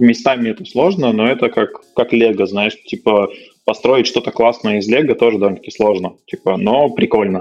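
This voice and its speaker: Using a plain, everyday voice, a man speaks at medium pitch and a moderate pace with lively intonation. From Belarus, Minsk. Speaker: Android team lead. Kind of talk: casual chat.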